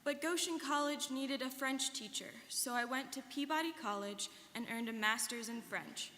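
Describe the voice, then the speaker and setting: On stage, a young adult student gives an earnest, rehearsed first-person reading as a young woman recounting her life story. Her high-pitched voice is bright and forceful, at a normal speed, with a mood of earnest recollection. The reverberant hall adds faint background noise.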